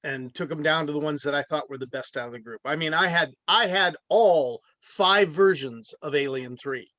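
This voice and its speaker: A man's voice: on the high side, moderate pace, bright, forceful tone, dry recording. A middle-aged man chatting casually on a video call, rambling through anecdotes. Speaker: participant in a virtual table read. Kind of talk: casual chat.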